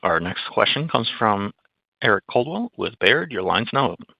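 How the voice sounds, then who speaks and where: A man's voice: fairly low pitch, sing-song, normal speed, gravelly, no echo. A man making scripted announcements as the operator of a conference call. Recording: slightly dull conference call audio.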